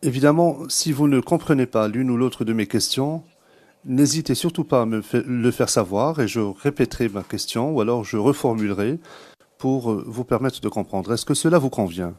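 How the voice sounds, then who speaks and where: A man with a medium-pitched voice works as a court interpreter. He renders questions formally and carefully, pausing between phrases. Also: darkish tone.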